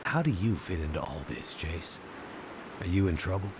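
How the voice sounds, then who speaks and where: Deep-voiced, dry survivor hero, noisy backdrop. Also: male voice, expressive. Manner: dry, measured, skeptical. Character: world-weary, skeptical male survivor hero, dry and steady. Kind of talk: naturalistic video game acting.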